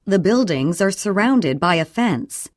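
A woman's voice: on the low side, no room sound, clean studio sound. Woman reading English drill sentences. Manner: clear, even, deliberate reading. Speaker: English audio reader.

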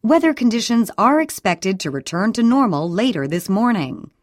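A woman reading a scripted train station announcement in a measured, formal way with careful enunciation. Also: mid-range voice, big pitch swings, dry recording, studio quality. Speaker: recorded station announcer for listening practice.

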